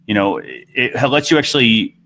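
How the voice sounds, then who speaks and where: A man's voice: mid-range voice, very animated, moderate pace, bright, forceful tone, a little hiss or hum. A man co-hosting a casual panel discussion, explaining his view with some hesitant starts. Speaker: talk show co-host.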